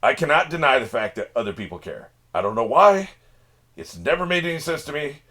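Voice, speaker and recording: A man's voice: medium pitch, big pitch swings, brisk, bright, forceful tone. Rambling, profane reaction-channel host, a man. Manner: rambling, profane, with frequent restarts. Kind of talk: casual unscripted monologue.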